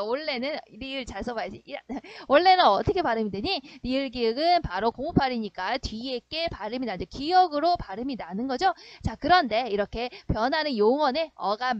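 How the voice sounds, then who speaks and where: A woman's voice: high voice, dry recording. A woman teacher giving an online grammar lesson, explaining step by step and often checking that students follow. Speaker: middle school Korean teacher. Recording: dry, dull lo-fi sound.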